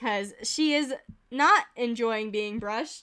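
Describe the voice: Speaking at a slow pace, a woman has a clear, smooth tone that is also bright and sharp, with ordinary pitch variation.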